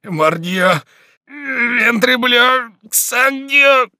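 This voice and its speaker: A man's voice: very high voice, expressive, extremely slow, sharp tone, dry recording, studio quality, pitched above the performer's own voice, exaggerated voice. A man doing a gasping, straining nobleman. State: out of breath. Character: stout, proud nobleman, breathless and straining.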